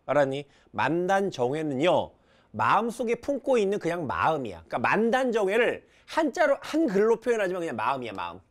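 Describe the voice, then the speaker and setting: A man's voice: a little high, huge pitch swings, fairly quick. A male teacher giving a casual exam-prep lecture on a classic novel, quizzing students and reading lines aloud. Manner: reads character lines aloud with brief dramatizing.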